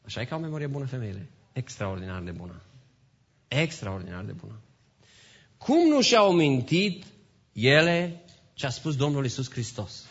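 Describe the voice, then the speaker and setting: A man's voice: medium pitch, animated, husky. Impassioned man preaching, dull lo-fi sound. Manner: swings between quiet asides and loud impassioned build-ups. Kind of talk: sermon. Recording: dull lo-fi recording.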